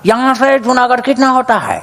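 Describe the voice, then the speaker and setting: A man voicing a foreign European male tourist who asks directions in halting, broken phrases. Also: very high voice, expressive, creaky, fairly bright tone, in a large hall, full character voice. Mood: eager.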